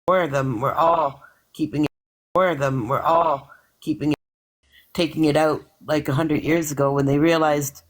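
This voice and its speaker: A man's voice: fairly high pitch, a bit bright, poor audio. A man in casual chat, rambling through explanations with frequent restarts and hedges.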